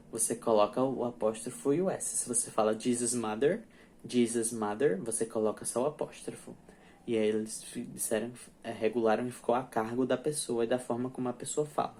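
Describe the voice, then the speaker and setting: A man teaching a casual English grammar lesson, explaining rules in a relaxed way and often checking in with his students. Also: mid-range voice. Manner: chatty, many restarts and checks like "ok?" and "tá?".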